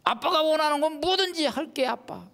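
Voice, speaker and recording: A man voicing a small child who pleads sweetly with his daddy, in a high cooing tone. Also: expressive, moderate pace, creaky, a bit bright, long reverb tail, full character voice. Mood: sweet pleading.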